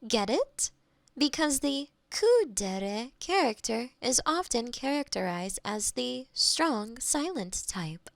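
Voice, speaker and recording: Woman playing a slow, measured AI girlfriend companion. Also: on the high side, big pitch swings, creaky, no echo, clean studio sound, exaggerated voice. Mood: polite, helpful. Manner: formal, measured, robotically helpful. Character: polite female AI girlfriend companion, literal, eager to please. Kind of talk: scripted roleplay audio, ASMR. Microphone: close binaural microphone.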